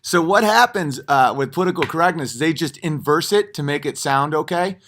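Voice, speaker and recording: A man with a bright, forceful, slightly high voice rambles through an off-the-cuff monologue on his own stream. He digresses constantly, stacking fillers and restarts, and breaks into animated mock voices for punchlines. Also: brisk, a little hiss or hum.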